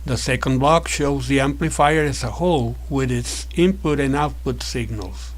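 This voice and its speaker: This is an instructor-style narration of a prepared electronics lesson, voiced by a man in the middle range. His delivery stays steady and systematic as he works through the explanation.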